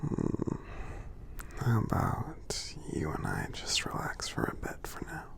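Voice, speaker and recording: A man voicing a friendly, gentle giant in an ASMR roleplay, tender and encouraging, in a breathy, gravelly whisper with slow, soothing, halting delivery. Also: on the low side, wildly swooping pitch, full character voice. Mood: relaxed, soothing. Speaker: ASMR performer.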